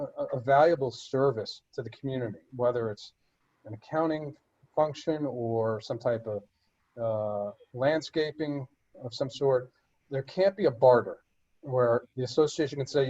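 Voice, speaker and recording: A man answering board questions in a webinar, explaining legal steps in a measured way with frequent fillers and restarts. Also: medium pitch, mellow, dull audio. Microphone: web conference audio.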